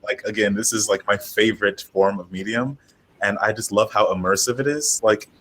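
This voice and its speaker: Man, quite low voice, effusive, casual panelist, lots of filler likes, faint background noise. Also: fairly even intonation, normal speed, a bit bright, poor audio. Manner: effusive, heavy use of "like". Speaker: panelist, audio drama creator.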